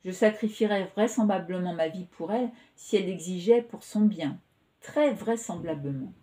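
A woman reading the part of a gentle young man who speaks in a quiet, composed way, in a storybook reading. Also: fairly low pitch, normal speed, close to an everyday voice. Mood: calm, reflective.

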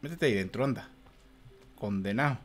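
A man's voice: mid-range voice, animated, brisk, soft background music. A young man commentating a video game, exasperated, swearing and muttering to himself. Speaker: gaming youtuber. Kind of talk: let's play commentary.

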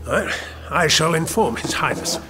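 A man playing a scheming, controlling royal chamberlain in an audio drama, with a measured, formal, commanding way of speaking. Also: a little high, expressive, over loud music, natural voice. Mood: calculating.

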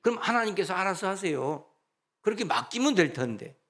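Animated Korean pastor preaching. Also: male voice, sits high, a little fast. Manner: animated, conversational preaching with rhetorical questions. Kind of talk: sermon. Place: church sanctuary.

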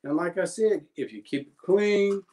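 Sleepy guy doing a live jewelry sale, kinda high voice, cracks jokes, yells boom and zam on each item. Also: lively intonation, normal speed. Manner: jokey, self-deprecating, announces items with exclamations. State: sleepy, yawning. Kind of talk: casual live sales pitch.

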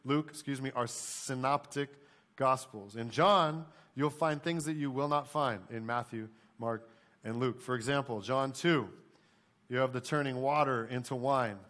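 Male pastor, forties, American accent, medium pitch, emphatic sermon delivery from a church stage. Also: measured pace, fairly bright tone. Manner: emphatic, repeats questions and key phrases.

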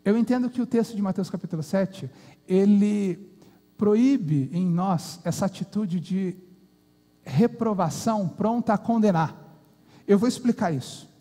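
A man's voice: sits high, measured pace, mellow. A Brazilian man preaching a sermon and telling folksy stories in a church hall. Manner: folksy, colloquial storyteller. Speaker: pastor. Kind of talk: sermon with storytelling. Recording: long hall reverb.

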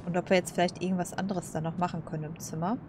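Low-voiced woman chatting through a game. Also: flat delivery, rapid-fire, background noise. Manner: chatty, musing aloud. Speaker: gaming host. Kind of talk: casual let's play commentary.

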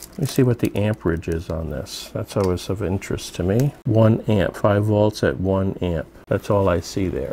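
A man's voice: sits low, vocal fry, a little mellow, slight background noise. A man giving casual unboxing commentary as a product reviewer, musing aloud to himself as he goes.

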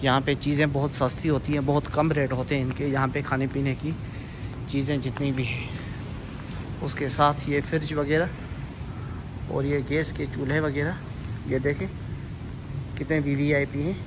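Man, vlogger, store tour, slightly high pitch, phone recording, noisy supermarket ambience. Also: level tone, moderate pace, long pauses. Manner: leisurely, repetitive pointing-out of items and prices. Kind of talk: walking store tour vlog. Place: large indoor supermarket. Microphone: handheld phone camera.

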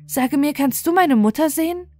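A woman voicing a sad, pleading outcast child in a fairy tale, in a high childlike voice. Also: lively intonation, moderate pace, dark tone.

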